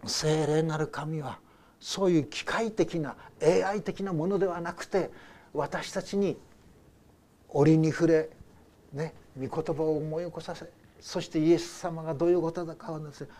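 An older male pastor preaching a sermon with a fairly high voice. He talks in a loose, conversational way, telling stories and putting questions to his listeners. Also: a little mellow. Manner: conversational storytelling with rhetorical questions.

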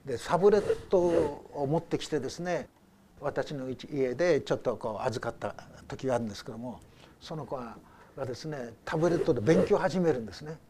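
A man's voice: medium pitch, a little fast, warm tone. An older man, a pastor, delivering a sermon in a conversational, storytelling way with rhetorical questions.

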